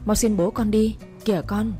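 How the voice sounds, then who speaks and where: A woman's voice: mid-range voice, steady tone, moderate pace, warm tone, faint music behind, natural voice. A woman voicing a kind old grandmother who pleads and soothes, in a storybook reading. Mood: pleading.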